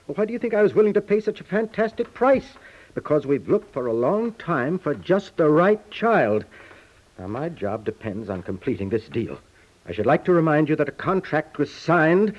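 An actor playing a firm, formal American advertising man pressing a deal in a 1950s radio drama. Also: on the high side. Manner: formal, insistent. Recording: dull 1950s radio recording.

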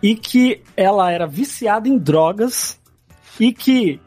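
A man telling a long story in a casual podcast chat, rambling and halting, full of filler phrases. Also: sits high, lively intonation, darkish tone, breathy edge, soft background music.

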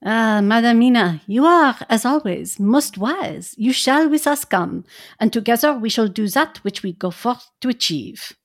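A woman's voice: a little high, animated, unhurried. A woman voicing a wise older male professor who speaks in grave, formal, old-fashioned phrases.

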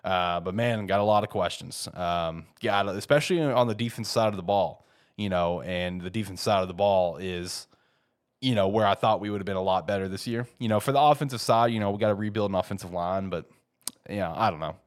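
A man's voice: low-pitched, brisk. A congested man with a head cold hosting a casual sports talk show, rambling with many fillers and restarts and bursting into emphatic peaks. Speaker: podcast host.

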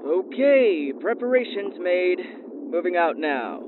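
A steady, alert deep-sea diver, as a man plays him, sends clipped field reports over his helmet radio intercom. His voice sits high and bright in a squeezed, phone-thin band, with steady static hissing underneath it. The tone stays professional and to the point the whole way through. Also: slow, full character voice. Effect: helmet radio intercom, diving suit comms. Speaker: diver on an exploration team. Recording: tinny radio comms with static.

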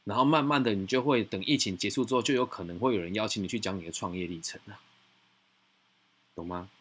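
A man's voice: fairly low pitch, breathy edge. A man hosting a podcast, giving frank, teasing advice in a casual chat. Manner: frank, teasing, fast and animated. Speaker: podcast host and mentor.

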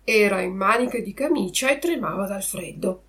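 A woman voicing a sly, smooth-talking lame male fox who coaxes the puppet. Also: medium pitch, animated, normal speed, a bit bright, recorded from a distance, close to an everyday voice. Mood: wheedling.

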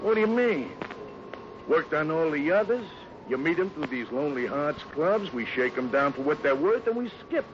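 A crass, eager con man in a 1950s radio play, talking in wise-guy slang. His voice sits on the high side. The old recording is dull, with clear noise. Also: very animated, normal speed. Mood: puzzled, pushy. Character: crooked male con artist, crass, eager, slightly slow. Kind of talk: 1950s radio drama acting.

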